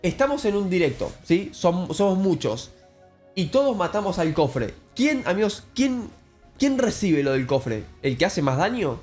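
A young man with a Rioplatense Spanish accent giving excitable Let's Play commentary, addressing viewers as friends. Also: measured pace, faint music behind. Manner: excitable, calls viewers "cracks" and "amigos", jumps high when thrilled. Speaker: gaming YouTuber.

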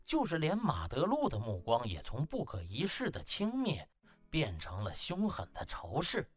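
Very animated male audiobook narrator. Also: mid-range voice, moderate pace, husky, faint music behind. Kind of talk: dramatic scripted storytelling.

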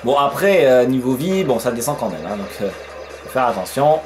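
A man's voice: medium pitch, very animated, brisk. A man giving casual let's play commentary, chatty and peppering his talk with fillers, swearing when surprised. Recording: faint game music behind.

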